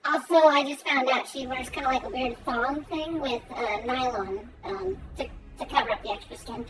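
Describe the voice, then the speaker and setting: A woman's voice: sits high, moderate pace. A young woman streaming a game, chatting casually and reading its story text aloud, and tripping over the fantasy names. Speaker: live streamer. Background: game music.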